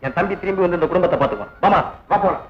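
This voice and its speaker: A defiant young heir declaims in a high, lively voice that leaps up and down. The sound is dull and lo-fi, with music under it, as in an old film soundtrack. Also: male voice, very fast. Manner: impassioned, declaiming. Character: defiant young heir giving up wealth for love.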